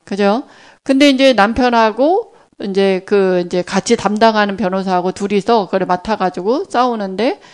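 A middle-aged woman giving an animated church testimony, acting out quoted dialogue as she goes. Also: medium pitch, smooth. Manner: animated storytelling, acts out quoted dialogue, laughs. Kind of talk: sermon testimony storytelling.

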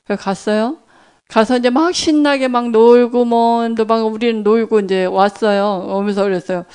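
A middle-aged woman giving an animated church testimony, acting out quoted dialogue as she goes. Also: on the high side, normal speed, clear, resonant tone. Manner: animated storytelling, acts out quoted dialogue, laughs. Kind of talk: sermon testimony storytelling.

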